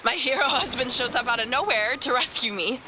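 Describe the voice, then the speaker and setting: A woman's voice: fairly high pitch, lively intonation, fairly quick, sharp tone, slight background noise, low-quality recording. A woman playing a wry, easygoing but reluctant young wife in a superhero audio drama. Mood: relieved, wry. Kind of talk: acted audio fiction dialogue.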